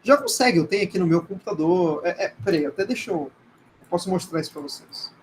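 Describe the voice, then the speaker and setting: A man's voice: high-pitched, expressive, fast talker, slight background noise, rough recording. A man with a Brazilian accent, a native Portuguese speaker, giving an informal live lecture in a hesitant, conversational way with frequent check-in questions. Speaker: teacher.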